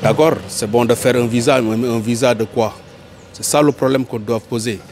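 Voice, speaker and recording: A Senegalese man with a Senegalese French accent makes an earnest, repetitive appeal in a street interview. His mid-pitched voice carries over faint traffic noise. He sounds a little off-mic outdoors. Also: steady tone, moderate pace, a little mellow. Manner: earnest, pleading, repeats points. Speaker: tourism worker interviewed.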